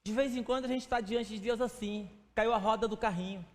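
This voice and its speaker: A man's voice: high-pitched, fairly even intonation, fairly quick. A male pastor preaching a sermon in a conversational way, speaking to the congregation by name and acting out little stories. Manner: acts out stories with quoted voices. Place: church sanctuary. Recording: long church hall reverb.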